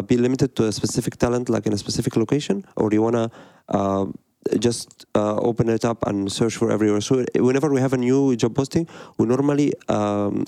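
A man's voice: on the low side, vocal fry, mellow, smooth, no echo. A man from Egypt in his thirties, a design studio director answering interview questions in a hesitant way, with many fillers and restarts.

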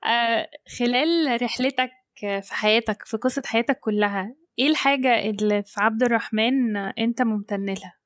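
A woman with an Egyptian Arabic accent co-hosts a podcast, asking gentle questions at a brisk pace. Her voice is slightly high. Her sound is dry and close. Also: no echo. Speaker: podcast co-host. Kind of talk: casual podcast conversation.

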